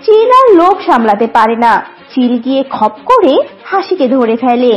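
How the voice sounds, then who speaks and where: A woman's voice: sits high, sing-song, normal speed, poor audio. A woman narrating a children's cartoon as storyteller, scripted, with music behind.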